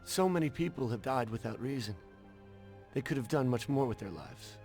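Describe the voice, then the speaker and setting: An actor playing a solemn, reproachful Catholic priest in a video game drama, with a preaching delivery. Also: male voice, mid-range voice, expressive, normal speed, darkish tone, faint music behind, close to an everyday voice. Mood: anguished, reproachful.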